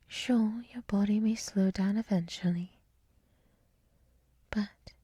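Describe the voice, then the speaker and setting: Woman acting as gentle wise monster lady, ASMR roleplay, very breathy whisper, dark mellow tone, soothing, encouraging, close-miked. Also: mid-range voice, no echo. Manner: slow, soothing, reflective, encouraging. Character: gentle, wise monster woman with many eyes, hotel resident. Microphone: close mic, dry.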